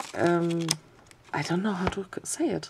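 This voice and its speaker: A woman speaks in a German accent. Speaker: crafter, video blogger. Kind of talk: room tour. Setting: home craft room. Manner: halting, many fillers.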